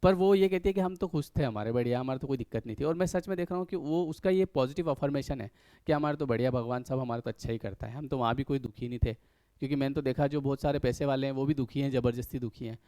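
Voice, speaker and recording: A man's voice: mid-range voice, fast, mellow, dry recording. A man giving a casual motivational talk to viewers as a life coach, speaking in a conversational way and acting out little everyday scenes. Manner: conversational, acts out little scenes in other voices.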